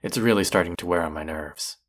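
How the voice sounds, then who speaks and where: Man acting a cocky, deep-voiced rival chef. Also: a little fast. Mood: exasperated. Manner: teasing, sardonic, condescending. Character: cocky, bickering male chef, grudgingly fond rival. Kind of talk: intimate audio roleplay acting addressed to listener.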